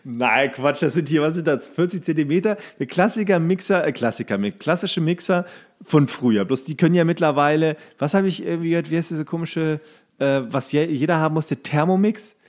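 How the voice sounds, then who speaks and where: A man's voice: a little high, a little fast. Colloquial man bantering as podcast co-host. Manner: colloquial, coarse slang. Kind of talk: casual, rambling banter.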